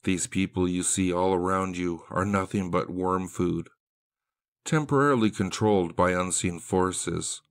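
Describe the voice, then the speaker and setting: A man voicing a smooth, eerie male street illusionist who talks softly and coaxingly in a horror story reading. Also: low-pitched, no echo.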